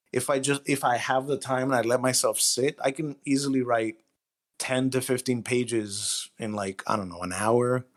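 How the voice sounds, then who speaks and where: Man, medium pitch, interviewed writer, casual explanatory talk, thoughtful, halting phrasing.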